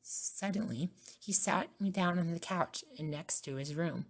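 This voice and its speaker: A woman narrating a scripted first-person ASMR story in a soft-spoken way. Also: lowish voice, a little slow. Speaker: narrator and voice actor.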